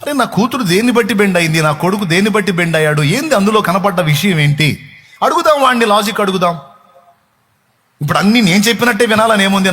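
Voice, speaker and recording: A man's voice: high voice, bright, forceful tone. A man preaching a sermon with passion, firing off rhetorical questions at his listeners. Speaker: pastor.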